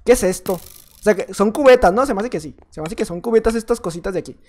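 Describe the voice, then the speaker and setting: This young gaming YouTuber speaks with a Mexican Spanish accent in a high, animated, fast voice with a slightly mellow edge. His commentary on the game is playful and chatty, and he repeats his phrases as he plays.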